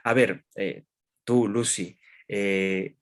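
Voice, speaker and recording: A man, a guest expert in an interview, explaining calmly with examples and questions to the listener. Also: on the low side, extremely slow. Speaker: guest expert in human development.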